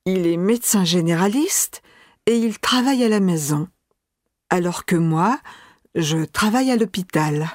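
A woman as a calm young doctor. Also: mid-range voice, dry recording, clean studio sound. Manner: calm, measured delivery. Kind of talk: scripted listening-exam monologue.

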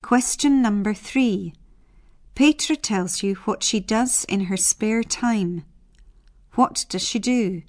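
A woman reads scripted exam instructions. Her voice sits at an average pitch, with a slow, measured, neutral delivery and a dry sound free of echo. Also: a little mellow. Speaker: exam narrator.

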